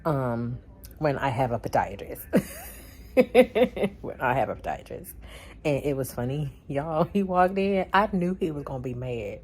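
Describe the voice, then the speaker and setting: A woman's voice: a bass voice, very animated, a little slow, a little mellow. A woman chatting casually in a vlog, laughing often and acting out bits of her story. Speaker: vlogger.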